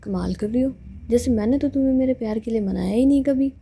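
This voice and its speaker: A woman's voice: a little high, fast, vocal fry, dark tone, breathy edge. A woman voicing a playful young woman in love who teases her girlfriend in a told love story. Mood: teasing. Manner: teasing, joking.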